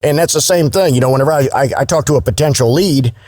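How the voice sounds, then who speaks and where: A man's voice: medium pitch, quick pace, darkish tone, dry recording. An American man with a mid-range voice chats informally as a guest in an interview. He is blunt and salty in his wording. The sound is close and dry. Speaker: guest, video game voice actor. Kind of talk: casual interview chat.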